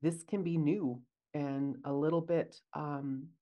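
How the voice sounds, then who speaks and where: Low-voiced chatty woman. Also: fairly even intonation, takes it slowly, muffled recording. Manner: chatty, acts out client dialogue. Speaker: podcast co-host, esthetician. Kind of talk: casual podcast chat.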